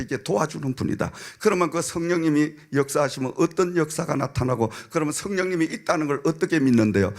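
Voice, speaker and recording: Storytelling Korean pastor preaching. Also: male voice, medium pitch. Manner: storytelling preacher, acts out a child's and a minister's voices, frequent "응?" and "아멘". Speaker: senior pastor. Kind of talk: sermon. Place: church sanctuary.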